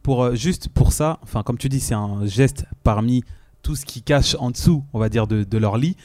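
A man on a discussion panel, speaking slowly and haltingly with fillers. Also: mid-range voice, a little mellow, no echo.

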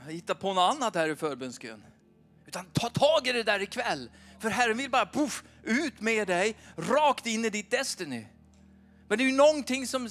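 A man in his forties preaching an informal, animated sermon at a church meeting, often asking his listeners "va?". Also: high-pitched. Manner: chatty, animated, keeps asking the crowd "va?".

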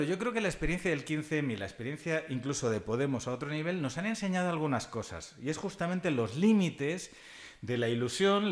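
A man from Catalonia, speaking as a panelist in a conversational academic discussion. He is lively and discursive, often tags his points with questions and chuckles. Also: a little high. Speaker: panelist at a book presentation.

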